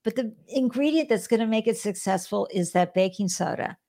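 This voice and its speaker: A woman's voice: medium pitch, animated, a little fast, dark tone. A woman with a Boston accent hosting an interview, upbeat and encouraging, often speaking straight to the listeners. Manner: encouraging, addresses listeners as folks. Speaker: podcast host.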